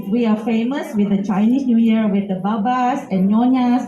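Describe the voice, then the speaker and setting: Music plays in the background as a woman speaks with an Indonesian accent, her pitch fairly high. Her pitch varies in an ordinary way, and audible room echo fills the space. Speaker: company executive. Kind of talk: speech at launch event. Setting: live event with audience. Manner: halting.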